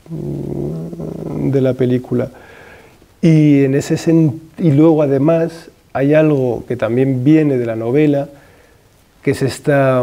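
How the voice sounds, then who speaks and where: A film director in his thirties answers interview questions hesitantly, thinking aloud and restarting often while gesturing with his hands. His voice is medium-pitched and warm, with vocal fry. He's indoors in a room with wooden shelves.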